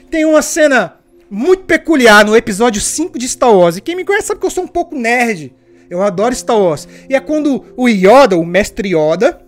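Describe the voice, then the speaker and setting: A woman preaching a sermon, telling stories with energy and asking her listeners pointed rhetorical questions. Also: mid-range voice. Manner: lively storytelling, asks rhetorical questions.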